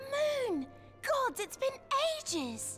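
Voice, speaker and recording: The speaker uses a put-on character voice. Music plays clearly in the background. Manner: bubbly greeting.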